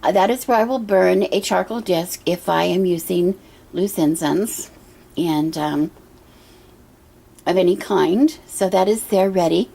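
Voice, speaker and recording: Hoarse, gravelly middle-aged woman. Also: lowish voice. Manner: gentle, meandering, frequent ums and pauses. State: hoarse from a cough. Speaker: pagan altar vlogger. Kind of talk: casual show-and-tell vlog. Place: indoor room at home with a water feature. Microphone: camera she handles herself.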